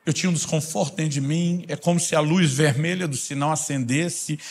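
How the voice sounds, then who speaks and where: A Brazilian preacher with a husky voice pitched a little above most men's. He tells a story as a sermon, getting loud and pressing at times, then dropping to an intense hush. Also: brisk. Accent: Brazilian Portuguese. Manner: animated, swings from loud bursts to hushed intensity. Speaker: pastor.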